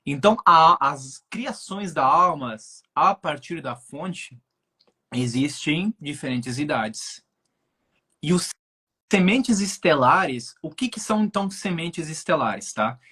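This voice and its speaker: As a guest speaker on spirituality, this man in his twenties talks through ideas on a live stream via video call, thinking aloud with plenty of filler tags and regularly checking in with listeners. His voice is fairly high, animated, a bit bright, and husky, and his delivery is unhurried.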